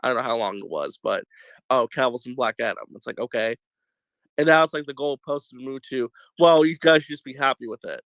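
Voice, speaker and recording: A man's voice: mid-range voice, fairly quick, a bit bright, dry recording. A man with a congested voice from a sore throat, hosting a casual online debate and laying out his points step by step.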